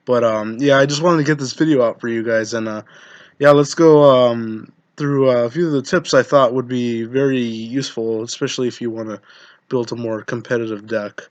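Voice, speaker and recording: A man with a sick, hoarse voice talks to his viewers, pausing often with ums and restarting his sentences. His voice sits in a middle pitch, and the recording is dry and close with no room sound. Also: steady tone, dry recording, highs cut off. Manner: hesitant, many ums and restarts. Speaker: Yu-Gi-Oh content creator. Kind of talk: casual talk to camera, deck-building tips.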